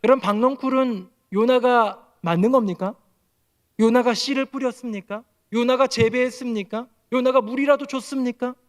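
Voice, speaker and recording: Korean pastor guy preaching, high voice, acts out the quotes as he tells the story. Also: moderate pace. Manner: animated storytelling, acting out quoted voices with raised pitch. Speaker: senior pastor. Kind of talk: sermon.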